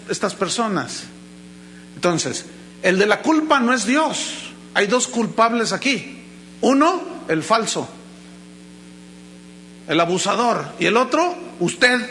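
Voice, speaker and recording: Emphatic Mexican pastor with a bright voice. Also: male voice, high-pitched, a little hiss or hum. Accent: Mexican Spanish. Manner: emphatic, stretches key words slowly; acts out anecdotes in quoted voices. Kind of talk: sermon.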